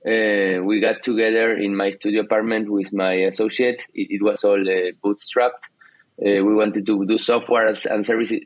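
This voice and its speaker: A man in his thirties from Argentina, speaking English with an Argentine Spanish accent, telling his story as a guest in a casual interview, pausing often with fillers and restarts. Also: on the low side, dry recording, rough recording. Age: 30s. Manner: hesitant, many fillers and restarts. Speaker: guest entrepreneur.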